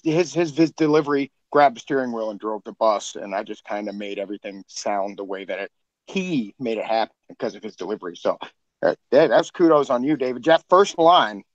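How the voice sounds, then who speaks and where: An ex-military man who does the show's sound design, talking earnestly and haltingly with many restarts. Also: fairly low pitch, no echo, highs cut off. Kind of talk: casual podcast chat.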